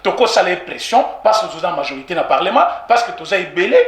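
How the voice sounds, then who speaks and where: A Congolese man speaks with a Congolese French accent, his voice set high and swinging widely in pitch. He argues hard and slips between French and Lingala, hammering points by repeating them. The recording sounds echoey. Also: quick pace. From Congo (DRC). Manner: animated, mixes French with Lingala, repeats for emphasis. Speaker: political commentator. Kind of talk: heated political street interview.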